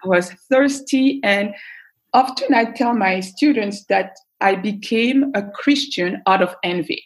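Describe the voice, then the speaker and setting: A woman from Belgium, a guest on an interview podcast, telling her life story in an earnest, thoughtful way with frequent pauses and fillers. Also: mid-range voice, poor audio. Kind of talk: casual personal storytelling.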